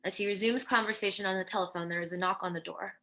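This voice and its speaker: Bright-voiced woman reading stage directions. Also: mid-range voice, steady tone, quick pace. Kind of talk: scripted narration.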